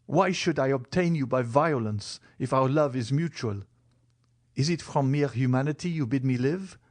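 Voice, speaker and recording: A man's voice: medium pitch, moderate pace, pitched above the performer's own voice, close to an everyday voice. A man voicing an ardent young lover who speaks earnestly and fervently in an audiobook reading.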